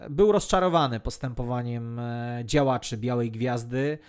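A man hosting a football podcast, narrating a player's career in a prepared, measured, factual way. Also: mid-range voice, a little mellow, smooth.

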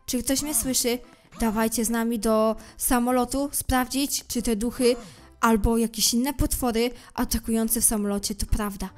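A woman commenting on a game she is playing. She speaks to her viewers, moving from hushed suspense to loud panicked shouting. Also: fairly high pitch. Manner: talks straight to viewers, swings from hushed suspense to screaming panic. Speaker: gameplay commentator.

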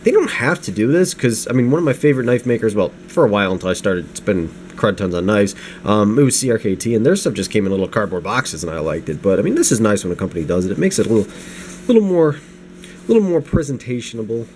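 A young man with a somewhat low voice talks at an unhurried, rambling pace as he reviews a knife at home. He sounds tired and a little sniffly from a recent flu, and he trails into side comments. A faint hum runs underneath the recording. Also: big pitch swings, a little mellow. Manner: rambling, self-deprecating, many restarts and asides. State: low energy, getting over the flu, sniffly. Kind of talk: casual unscripted product review. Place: home desk at night. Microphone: camera mic, hands-only framing. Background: space heater hum.

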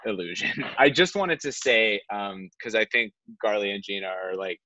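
A man in his thirties talking earnestly and haltingly at a roundtable over a video call, hedging as he makes an impassioned point. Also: fairly low pitch, pushed and bright. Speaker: theatre artist, panel guest. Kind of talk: impassioned casual roundtable talk. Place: living room at home, on a video call. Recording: muffled, roomy video-call audio.

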